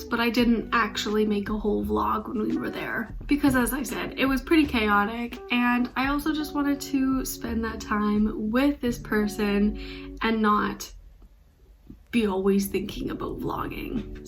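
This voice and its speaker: A woman's voice: fairly high pitch, poor audio. A young woman from Canada with a Canadian accent, chatting casually and upbeat in a travel vlog. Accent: Canadian English. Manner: chatty, upbeat, laughs easily. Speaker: vlogger.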